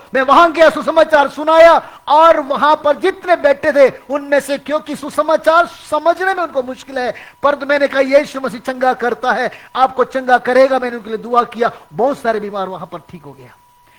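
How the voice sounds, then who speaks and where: A man speaks in an extremely high voice with a South Indian accent and ordinary pitch variation. His loudness swings widely. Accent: South Indian accent in Hindi. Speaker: pastor. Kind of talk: sermon. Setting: church.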